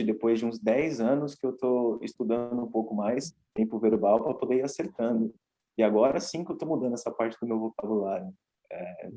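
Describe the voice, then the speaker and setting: A man chatting casually on a podcast, relaxed and conversational, often ending sentences with a tag question. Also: mid-range voice, rough recording. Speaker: podcast co-host.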